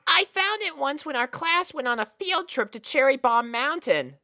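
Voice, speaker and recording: A woman voicing a shy, lovestruck young girl pony in a nervous, halting storybook reading. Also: high voice, very animated, sharp tone, pitched above the performer's own voice, exaggerated voice. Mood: nervous, sweet.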